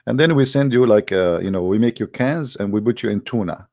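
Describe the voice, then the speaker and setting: Deep-voiced, gravelly Arab-accented man hosting. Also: brisk, mellow. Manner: joking, sarcastic, teasing. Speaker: host of a live debate broadcast. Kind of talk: casual rambling live-stream talk.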